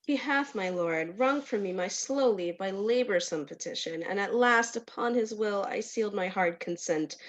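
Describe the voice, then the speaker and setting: Elderly courtier father acted by a woman, mid-pitched, deferential, deliberate Shakespearean verse. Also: natural voice, poor audio. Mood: beseeching. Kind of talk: livestreamed Shakespeare dramatic reading.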